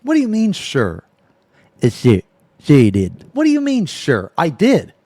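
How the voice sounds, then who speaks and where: Late 30s dude streaming, super loose chatty vibe, voice jumps around a lot, laughs constantly, dry close sound. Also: male voice, a little high, wildly swooping pitch, dark tone, no echo. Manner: laid-back, laughs often, drawn-out "man". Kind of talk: casual live-stream chat reading viewer messages.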